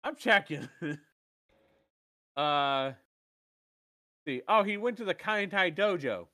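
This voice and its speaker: A man's voice: high-pitched, animated, slow pace, pushed and bright. A man co-hosting a casual wrestling recap podcast, bantering loosely, laughing often and swearing freely. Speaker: podcast co-host.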